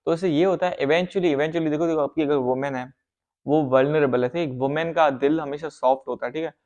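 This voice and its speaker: A man's voice: a little high, steady tone, a little fast, darkish tone. A man giving life advice in a casual, rambling monologue, mixing in English phrases and often turning heated. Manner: rambling, repeats "theek hai" often, mixes English phrases; heated, rises sharply when acting out bosses and husbands. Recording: dull lo-fi sound.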